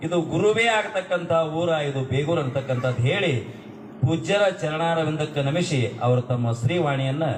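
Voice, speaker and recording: A man's voice: a little high, moderate pace. A man speaking at a ceremony who makes a playful bit of wordplay and then invites the guest to speak. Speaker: event speaker introducing the guru. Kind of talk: ceremonial introduction speech. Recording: echoey hall with clear background noise.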